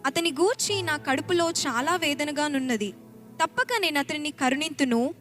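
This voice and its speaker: A woman reading Bible verses aloud during a sermon, in a steady and formal recitation. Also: high voice, moderate pace, soft background music. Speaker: scripture reader.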